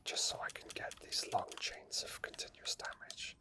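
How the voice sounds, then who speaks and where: Whispering man, ASMR game commentary. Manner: soft, rambling, unhurried thinking aloud. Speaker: ASMR gaming video host.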